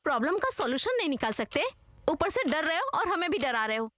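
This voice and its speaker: A woman's voice: high voice, big pitch swings, brisk, a bit bright, dry recording. A woman dubbing a bossy young woman who scolds her friends and demands answers. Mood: scolding. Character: sharp-tongued young woman, Shanti. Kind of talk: Hindi film dubbing.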